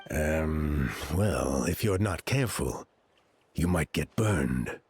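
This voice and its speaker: An actor playing a patient, earnest tribal man in a video game, explaining a sacred ceremony in a measured, reassuring way. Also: very deep voice, animated, a little mellow, slight background noise, heavily acted. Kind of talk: video game character acting.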